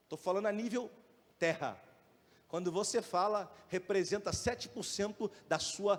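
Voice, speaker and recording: A male pastor with a Brazilian Portuguese accent delivers a sermon in a strikingly high voice. His loudness and pace rise and fall, with rhetorical questions aimed at the listeners. Long reverb from the church hall trails behind every line.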